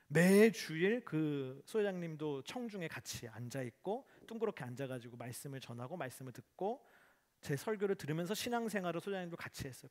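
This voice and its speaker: Lively Korean pastor preaching, fairly high voice. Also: male voice. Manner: storytelling with humorous acted quotes, lively. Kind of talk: sermon. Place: church hall.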